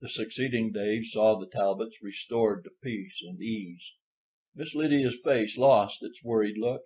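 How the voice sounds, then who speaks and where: A man's voice: fairly low pitch, measured pace, a little mellow, rough recording. A man reading a literary short story as an audiobook narrator.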